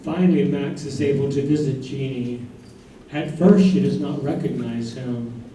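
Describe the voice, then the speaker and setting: A man's voice: medium pitch, fairly even intonation, moderate pace, dark tone, close to an everyday voice. A man playing the solemn narrator in a staged reading of a play. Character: solemn male narrator of an Alzheimer's love story. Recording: very echoey room, distant mic, background noise.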